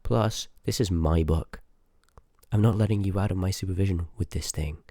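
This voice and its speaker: A man's voice: sits low, normal speed, warm tone, dry recording. A man playing a rude, sardonic, curious sorcerer in a fantasy ASMR audio roleplay, with dry banter spoken straight to the listener. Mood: suspicious, sardonic. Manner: sarcastic, dry banter with muttered asides.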